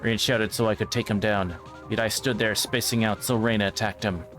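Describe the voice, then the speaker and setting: Low-voiced man narrating over music. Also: fairly even intonation, brisk, a bit bright. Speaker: streamer reading a visual novel aloud. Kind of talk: narration read aloud from a visual novel. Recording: music behind the voice.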